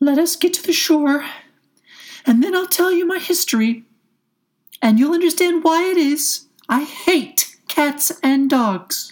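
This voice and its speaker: A shaky, high-pitched put-on character voice at a fairly slow pace. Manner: trembling, passionate.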